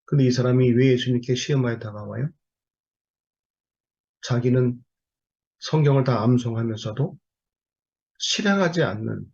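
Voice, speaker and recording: A man preaches a sermon in a husky, slightly breathy voice, driving his points home with one rhetorical question after another to the congregation. The recording sounds a little dull and lo-fi. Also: mid-range voice, darkish tone.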